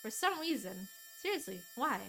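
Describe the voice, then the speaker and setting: A woman's voice: high voice, sing-song, normal speed, a bit bright. A woman streamer reading a visual novel aloud expressively, with casual asides. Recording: music under the voice. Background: game music.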